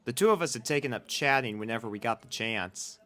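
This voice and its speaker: A man's voice: medium pitch, animated, a little fast, a bit bright. A man reading a first-person fan fiction story as its narrator.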